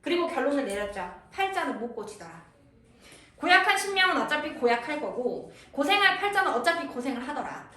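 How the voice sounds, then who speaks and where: A high, animated woman's voice lecturing on literature, now and then acting out a character's lines. She sits a little away from the mic in an echoey room. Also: fairly quick, recorded from a distance. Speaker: literature teacher. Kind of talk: lecture explaining a classical text.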